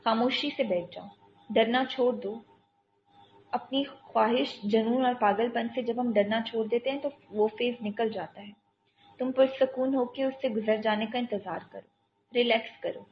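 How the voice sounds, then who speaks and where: A woman voicing a calm, commanding young male army captain who steadily coaxes a frightened child, on dull lo-fi audio. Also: on the high side, slight background noise, close to an everyday voice. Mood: coaxing. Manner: steady, coaxing, talks a frightened child through danger.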